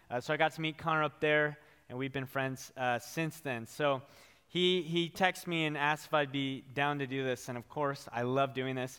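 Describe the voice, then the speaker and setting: This man, in an American accent, speaks fairly high and at a moderate pace. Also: fairly even intonation. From California (Bakersfield). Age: 20s. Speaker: guest preacher, church worker. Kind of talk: sermon. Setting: church. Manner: hesitant, many fillers.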